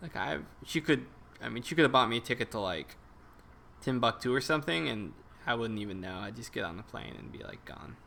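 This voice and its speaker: A man with an American accent speaks at medium pitch in a bright, sharp tone, with vocal fry and very wide pitch swings. His pace is fairly quick, his loudness swings widely, and he leaves long, frequent pauses. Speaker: game modder and streamer. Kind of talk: casual live stream while playing and debugging. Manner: animated.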